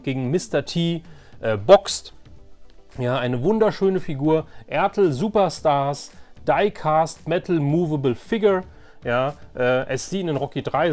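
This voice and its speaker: Higher-voiced enthusiastic man chatting. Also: a little mellow. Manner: enthusiastic, repeats words for emphasis. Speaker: host of a toy collecting video channel. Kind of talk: casual chat to viewers, showing collectibles.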